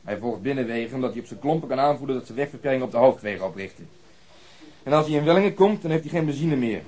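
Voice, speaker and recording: Man acting a hard-boiled detective, radio drama, fast speech, middle pitch, coarse, slangy, cocksure. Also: lively intonation, a little mellow, natural voice. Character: blunt, hard-boiled, callous streetwise male police detective. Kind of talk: radio play dialogue.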